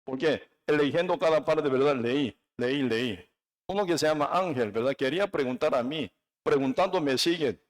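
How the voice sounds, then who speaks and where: Man, Korean accent, preacher, emphatic sermon, fairly high-pitched, halting non-native phrasing. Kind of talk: sermon with personal testimony.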